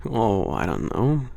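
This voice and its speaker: A man playing a big, gruff, teasing but secretly caring werewolf trainer in an ASMR roleplay audio drama, talking casually and sardonically with a gravelly low voice. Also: dark tone, full character voice. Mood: teasing, menacing. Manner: casual, sardonic, hesitant pauses, frequent chuckles and swearing.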